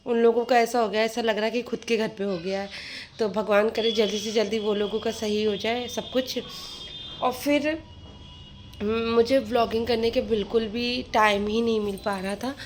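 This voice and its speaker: Woman, 30s, vlogger, casual monologue, talkative, frustrated venting, fairly high voice, faint background noise. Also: fairly even intonation, normal speed. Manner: talkative, venting with frustration, addresses viewers directly. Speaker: vlogger and mother. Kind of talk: casual chatty vlog monologue. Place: at home, sorting winter clothes.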